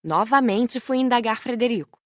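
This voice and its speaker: A woman's voice: a little high, normal speed, no echo, clean studio sound. A woman reading scripted first-person narration as an audiobook narrator.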